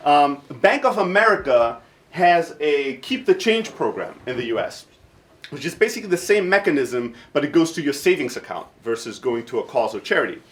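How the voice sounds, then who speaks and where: A man in his thirties from Greece, raised in southern Germany, giving an informal workshop talk in a blunt, irreverent, self-deprecating manner while jet-lagged. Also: fairly high pitch. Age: 30s. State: jet-lagged, short of sleep.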